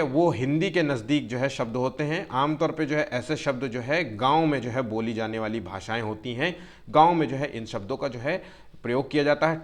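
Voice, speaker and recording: A man teaching a Hindi grammar exam-prep lesson, constantly using fillers, checking in with his students and drawing words out slowly to spell them. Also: mid-range voice. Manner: tells students to take care and keeps checking "theek hai".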